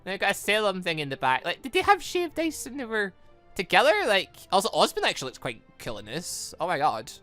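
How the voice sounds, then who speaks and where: An excitable gaming host gushing, exclaiming and rambling through commentary on a visual novel, reading along as they play. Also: mid-range voice, brisk. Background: music.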